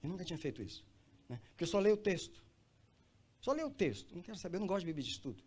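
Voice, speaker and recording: A pastor preaching in church, swinging from quiet talk to loud, high cries and calling listeners brother. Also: male voice, sing-song, rapid-fire, breathy edge. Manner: addresses listeners as brother, repeats phrases for emphasis. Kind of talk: sermon.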